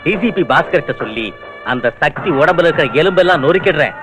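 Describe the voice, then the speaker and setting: An actor playing a scheming, corrupt politician who lays out his plan calmly and flatteringly. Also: on the high side, fast talker, lightly acted. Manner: plotting, calm and flattering. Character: scheming corrupt male politician, middle-aged. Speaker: corrupt minister. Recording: film soundtrack with clear music.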